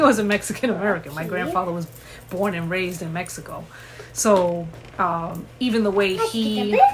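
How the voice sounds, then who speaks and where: Over noticeable background noise, a woman with a New York accent talks at a moderate pace, medium pitch and ordinary pitch variation. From US East Coast, New York. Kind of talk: casual talk to camera.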